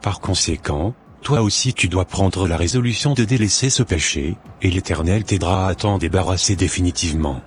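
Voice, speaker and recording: A low-voiced big brother from a Christian cartoon, played by a man, earnest and preachy. He explains and admonishes in a measured, teacherly way. There is clear noise in the recording. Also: lightly acted. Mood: earnest, exhorting. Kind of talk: scripted cartoon dialogue, expository.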